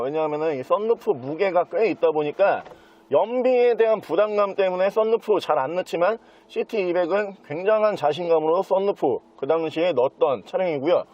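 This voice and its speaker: Man, high voice, smooth used-car salesman patter, walkthrough presentation, soft mellow timbre, dull muffled recording.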